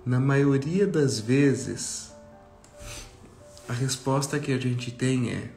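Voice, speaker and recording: A Brazilian man leading a guided meditation talk for a group, speaking reflectively with long pauses. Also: medium pitch, vocal fry, darkish tone. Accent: Brazilian Portuguese. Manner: slow, pausing, reflective. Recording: roomy echo, faint music behind.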